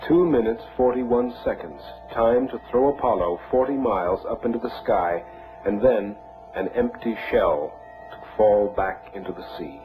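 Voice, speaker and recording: A man narrates a documentary in measured, poetic fragments with dramatic weight. His voice has a thin, narrow-band sound, with music clearly playing behind it. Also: fairly low pitch.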